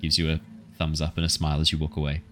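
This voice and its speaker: A man narrating a tabletop role-playing game as dungeon master, in a halting, improvised way. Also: extremely low pitch, monotone, fairly bright tone.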